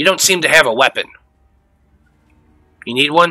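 A fairly quick, fairly high-pitched put-on character voice from a man

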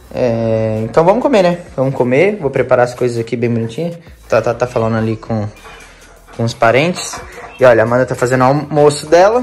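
A man talks at a fairly quick pace with ordinary pitch variation while faint music plays in the background. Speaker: vlogger. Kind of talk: casual vlog chat. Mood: cheerful, joking. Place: home room. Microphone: phone near.

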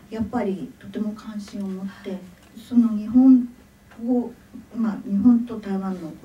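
Her loudness swings widely as a woman speaks at a fairly slow pace, with a fairly high pitch and fairly even intonation. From Tokyo, Japan. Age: 50s. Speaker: novelist. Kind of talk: book event talk. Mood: warm, smiling. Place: hall.

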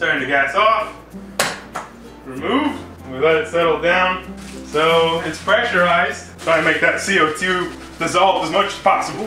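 A man's high voice at a fairly slow pace, with audible room echo and clear music in the background. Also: ordinary pitch variation. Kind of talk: casual tutorial. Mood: playful, amused. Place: kitchen. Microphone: camera far.

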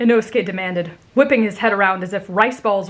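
What is heard is an unforced reading voice.

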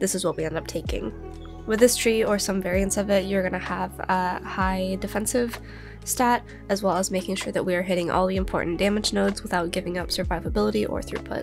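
Over background music, a woman speaks fairly quickly. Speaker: game guide creator. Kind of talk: video game tutorial narration.

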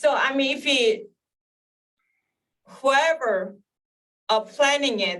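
A woman speaks at a high pitch and a very slow pace, with ordinary pitch variation and long, frequent pauses. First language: not English. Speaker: public commenter, former store owner. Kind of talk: public comment at hearing. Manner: halting.

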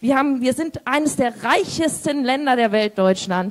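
A woman speaks at a high pitch against a quiet background. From Saarland. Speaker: politician and union youth organiser; politician. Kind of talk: panel debate. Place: hall. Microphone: handheld.

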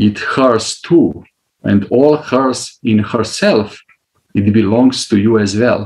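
A man with a Serbian accent at a very slow pace. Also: quiet background. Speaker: devotional poet. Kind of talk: reading poetry aloud. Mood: tender, reverent. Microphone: webcam.

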